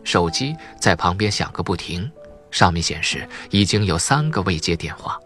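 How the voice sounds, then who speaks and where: Male audiobook narrator, dramatic novel reading, animated pitch, music behind. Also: moderate pace.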